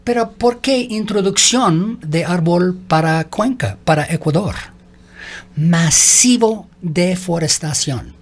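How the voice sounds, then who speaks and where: A man whose first language is English, speaking halting learner Spanish as a radio interview guest, slipping into English fillers. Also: high voice, animated. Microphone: studio microphone.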